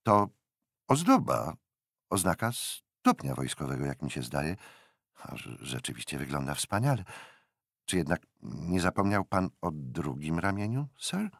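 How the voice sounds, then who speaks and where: A man's voice: sits low, sing-song, a little slow, creaky, husky, dry recording, studio quality, exaggerated voice. A man voicing an eager male naturalist who exclaims in bursts and asks puzzled questions, in an audiobook. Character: excitable male naturalist, eager bird lover. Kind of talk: audiobook character voice.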